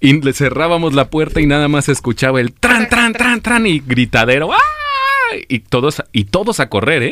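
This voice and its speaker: Over noticeable background noise, a man with a fairly high pitch speaks in an animated tone at a moderate pace, his pitch swinging very widely while his loudness stays very even. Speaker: radio host. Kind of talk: casual chat.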